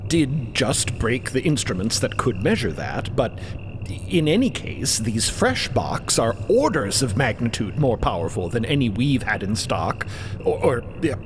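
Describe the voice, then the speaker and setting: A man playing an excitable, brainy ship's engineer in an audio drama, stammering and emphatic in his wordy amazement. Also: medium pitch, measured pace, noisy background. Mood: amazed. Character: excitable brainy male ship's engineer, old-fashioned exclaimer. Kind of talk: sci-fi audio drama acting.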